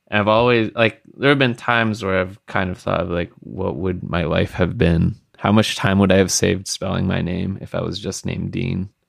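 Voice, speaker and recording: A man talks at a moderate pace in a plain, everyday voice. His pitch is fairly low, with ordinary variation. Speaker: podcast host. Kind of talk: casual interview.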